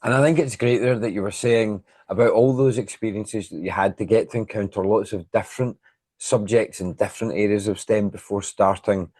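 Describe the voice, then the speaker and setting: A man's voice: on the low side, fairly even intonation, a little fast, a little mellow, no room sound. A man hosting a conversational educational interview, encouraging his guest and summing up before he asks questions. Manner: encouraging, summarises before asking. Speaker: interviewer, host.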